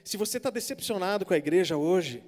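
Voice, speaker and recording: A young man from preaching a sermon to a congregation, telling stories animatedly and acting out the voices, swinging between loud exhortation and hushed asides. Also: sits high, animated, fast talker. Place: church hall. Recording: reverberant church hall with faint music.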